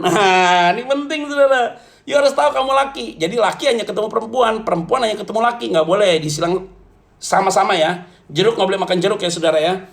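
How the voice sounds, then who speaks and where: A man preaching to a congregation as pastor, animated and jokey, often turning to address his listeners directly. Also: sits high, gravelly. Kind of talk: lively humorous sermon.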